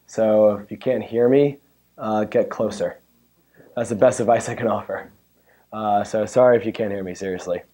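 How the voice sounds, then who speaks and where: A man with a hoarse, worn-out voice giving a chatty, joking technical talk at a conference and bantering with the audience. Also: on the low side, fairly even intonation, moderate pace, mellow. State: hoarse, losing his voice. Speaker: conference speaker. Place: conference room. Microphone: handheld or stand mic.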